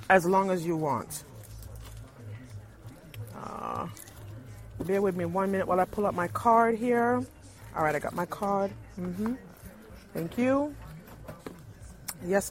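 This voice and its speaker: Chatty woman on a radio phone-in. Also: medium pitch. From Brooklyn, New York. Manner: animated, chatty storyteller with playful asides and laughs. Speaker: radio show host. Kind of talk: casual chat while shopping. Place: indoors in a small Caribbean grocery store. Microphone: phone call into a radio show.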